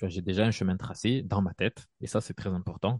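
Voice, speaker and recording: Dry and close with no echo, a man talks in a fairly low, monotone, flat voice. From Comoros, Moroni. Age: 30s. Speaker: finance professional. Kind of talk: interview. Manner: hesitant, many fillers.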